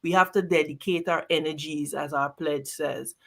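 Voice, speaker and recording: A woman, a guest on a talk show, speaking earnestly in a measured, emphatic way with rhetorical questions. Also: low voice, fairly even intonation, vocal fry. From Guyana. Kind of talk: earnest political commentary.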